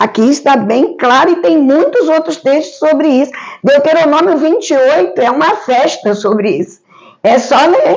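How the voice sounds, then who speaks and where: The loudness stays very even. The pitch swings very widely. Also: woman, high pitch for a woman, moderate pace. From Rio de Janeiro, Brazil. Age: 60s. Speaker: pastor. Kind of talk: podcast interview, Bible teaching.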